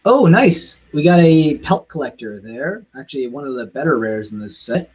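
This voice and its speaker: Husky man, chatty streamer. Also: medium pitch, big pitch swings, muffled recording. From Canada. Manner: chatty, rushes in quick bursts, stumbles over foreign words. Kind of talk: casual live stream chat.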